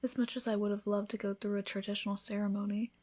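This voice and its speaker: A woman voicing an affectionate, teasing newlywed vampire in an intimate, soft-spoken ASMR roleplay, with tender, breathy delivery. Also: mid-range voice, flat delivery, fast, lightly acted. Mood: happy, loving.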